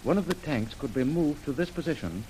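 A man's voice: a little high, animated, a little fast, a little mellow, natural voice. Actor doing a young lieutenant, man, eager, polite, deferential, noisy old radio recording. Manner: polite, eager, keeps saying sir. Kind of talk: 1930s radio drama acting.

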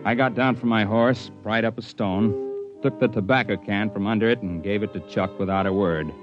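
An actor narrating as a tough, plain-spoken mountain climber in a 1950s radio drama, on an old broadcast recording with faint music. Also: male voice, on the low side, fairly even intonation, normal speed, highs cut off, natural voice. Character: tough mountain climber, grown man, dry humor. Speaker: narrator and lead.

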